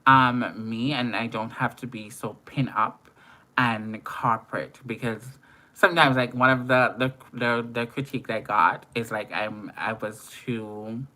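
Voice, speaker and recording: A man with an Antiguan accent talking casually on a livestream as a makeup artist, informal and expressive, repeating phrases for emphasis. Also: medium pitch, unhurried, low-quality recording. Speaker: makeup artist and live streamer.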